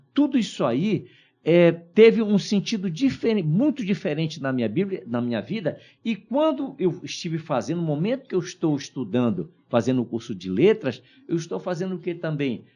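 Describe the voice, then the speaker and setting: Against a quiet background, a man with a dark, mellow tone and a high pitch for a man talks at a moderate pace, his pitch swinging very widely. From Brazil, Belém, Pará. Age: 60s. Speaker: pastor. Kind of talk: podcast interview. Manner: halting, many fillers.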